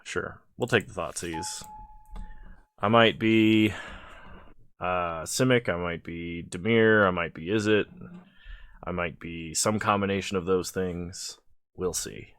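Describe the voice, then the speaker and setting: A man's voice: deep voice, takes it slowly, pauses often, fairly bright tone, clear, resonant tone, dry recording. A sleepy man giving casual gameplay commentary, thinking aloud as he weighs each choice. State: sleepy, yawning. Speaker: video creator drafting cards.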